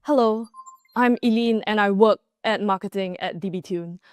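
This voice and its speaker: A woman from Singapore gives a prepared conference talk in an enthusiastic, steady tone, stumbling now and then on a word. Her voice sits at a middle pitch. It is recorded close and dry, with no room sound. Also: moderate pace, no echo, soft background music. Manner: enthusiastic, reads prepared remarks with small restarts. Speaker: conference speaker.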